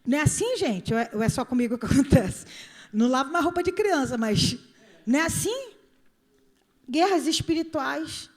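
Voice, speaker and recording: High-pitched Brazilian woman preaching. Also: animated, normal speed, long pauses, big-room sound. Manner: emphatic, repeats phrases, puts questions to listeners. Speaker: pastor preaching to a congregation. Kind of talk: informal sermon with acted asides and scripture reading.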